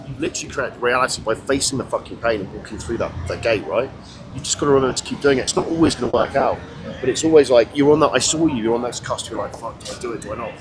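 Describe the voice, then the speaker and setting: Dating coach man talking super fast, swearing, hyping up, music behind. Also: mid-range voice. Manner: punchy, profane pep talk. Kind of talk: motivational debrief. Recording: music underneath.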